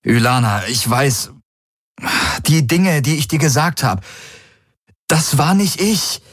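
A desperate young man pleads for trust, his voice climbing high and tight with urgency, as a male narrator puts him on. The delivery is close and dry, with no room around it. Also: animated, takes it slowly, breathy edge, no echo, heavily acted. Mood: pleading.

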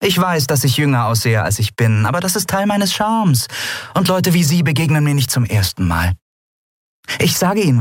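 A man voicing a sharp-tongued young female airship captain with a breezy, mocking way of talking. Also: a little high, breathy edge, no room sound, studio quality, voice pushed up.

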